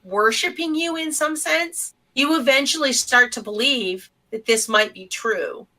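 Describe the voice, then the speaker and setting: Bright, higher-voiced woman podcaster. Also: measured pace. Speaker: podcast co-host. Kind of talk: casual opinionated group discussion.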